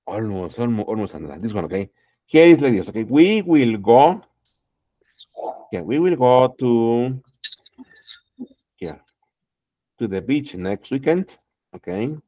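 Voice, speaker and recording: A man's voice: mid-range voice, sing-song, a little slow, long pauses, mellow, no room sound, dull audio. A middle-aged man teaching English online, correcting students patiently and repeating "okay" through a headset. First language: Spanish. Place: home room, indoors.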